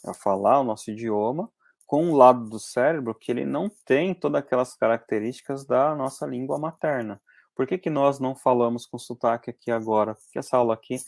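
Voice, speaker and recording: A young Brazilian man teaching anatomy in an online class from a small room, talking conversationally and often tagging sentences with quick checks. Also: mid-range voice, darkish tone, dry recording. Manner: conversational, frequent tag questions. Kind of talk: online lecture over slides.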